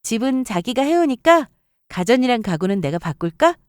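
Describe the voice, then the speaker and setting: A woman's voice: fairly high pitch, big pitch swings, normal speed, dry recording, clean studio sound, pitched above the performer's own voice. A woman voicing a caring young bride-to-be in a story, casual and attentive. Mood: eager.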